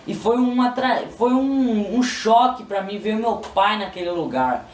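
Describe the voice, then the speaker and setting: A man's voice: sits high, a little slow. Brazilian man, emotional repetitive testimony, roomy sound heard from a distance. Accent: Brazilian Portuguese. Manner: repetitive, pleading, emotional retelling. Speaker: person giving a religious testimony. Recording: roomy, distant mic, faint noise.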